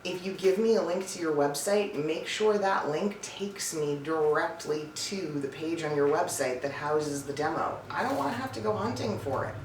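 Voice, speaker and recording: A low-pitched woman speaks at a moderate pace with few pauses, hosting an advice vlog as a voice-over coach and casting director. Her to-camera delivery feels scripted yet chatty, emphatic and informal as she addresses listeners. The mic sounds distant, with roomy echo and faint noise.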